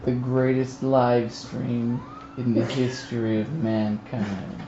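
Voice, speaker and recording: A man's voice: medium pitch, flat delivery, slow. A man making ironic, joking asides in casual chat as co-host of a game stream. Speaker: co-host of a gaming live stream. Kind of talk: casual banter over a board game. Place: indoor room at a game table. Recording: echoey room, muffled lo-fi, noisy.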